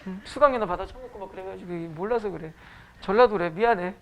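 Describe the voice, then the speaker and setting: A man's voice: high-pitched, fast talker, gravelly, fairly bright tone, slight background noise. Joking male classroom teacher. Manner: casual, joking asides to students. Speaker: high school Korean teacher. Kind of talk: classroom lecture with teasing banter. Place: academy classroom.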